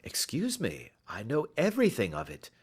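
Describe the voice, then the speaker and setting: A man voicing a calm, shrewd gentleman detective who speaks blandly and with assurance in a storybook reading. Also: medium pitch, moderate pace, voice pushed up. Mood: bland assured. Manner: bland, smooth and self-assured.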